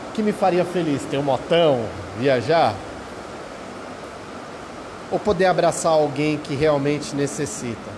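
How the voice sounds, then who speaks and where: Brazilian man giving a talk, reverberant hall. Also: a little high. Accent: Brazilian Portuguese. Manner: conversational, keeps checking in with the listeners. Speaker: speaker at a Spiritist study center. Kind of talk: informal spiritual talk. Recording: reverberant hall with faint background noise. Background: rain.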